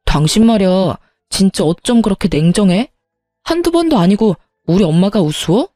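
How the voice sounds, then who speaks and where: A woman's voice: mid-range voice, animated, normal speed, warm tone, no room sound, studio quality, faint music behind, natural voice. Woman doing an indignant stubborn husband. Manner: indignant, defensive. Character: defensive stubborn husband, man.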